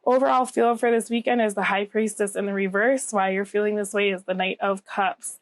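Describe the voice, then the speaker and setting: A woman getting over a cold hosts her channel with a casual tarot reading, sounding slightly scratchy and nasal while she chats and keeps checking in with the listener. Her mid-range voice shows little pitch movement and runs a little fast, with no room sound.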